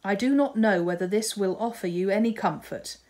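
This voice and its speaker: A woman voicing a reserved, awkward older gentleman officer who speaks gravely and haltingly. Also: medium pitch, close to an everyday voice. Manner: hesitant, grave. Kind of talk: audiobook character reading.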